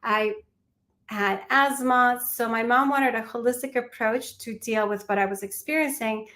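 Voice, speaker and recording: A woman's voice: a little high, normal speed, pushed and bright. Earnest reflective woman from Peru. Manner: earnest, reflective, with restarts and small laughs. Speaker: mindfulness teacher, guest. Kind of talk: conversational interview answers.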